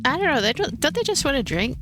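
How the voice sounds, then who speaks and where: A woman's voice: sits high, big pitch swings, quick pace, over music. A woman doing casual let's play commentary, giggly and musing aloud in hesitant, informal phrases.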